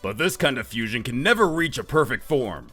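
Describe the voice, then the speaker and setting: A man voicing a grave, wary warrior who speaks seriously, with a gravelly, husky voice. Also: mid-range voice, big pitch swings, sharp tone, faint music behind. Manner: serious, measured explaining. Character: grave, wary male warrior, low and watchful.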